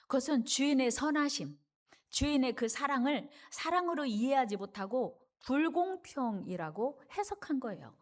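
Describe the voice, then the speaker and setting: A woman's voice: sits high, animated, normal speed. Woman pastor preaching, storytelling. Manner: storytelling, acting out the parable's voices and leading the congregation in reading. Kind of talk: sermon. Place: church sanctuary.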